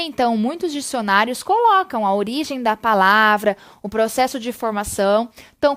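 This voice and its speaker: A woman teaching a recorded spelling lesson. She explains step by step, often checks in with the listener and slows down on example words. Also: fairly high pitch, fairly bright tone.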